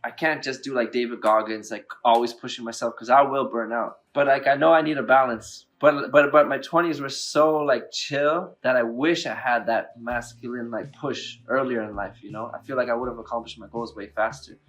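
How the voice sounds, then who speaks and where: A man's voice: medium pitch, fairly even intonation, moderate pace, few pauses, fairly bright tone. A man in his late thirties hosting an interview, enthusiastic and chatty, filling his speech with "like". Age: 30s. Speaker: podcast host. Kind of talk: casual interview talk.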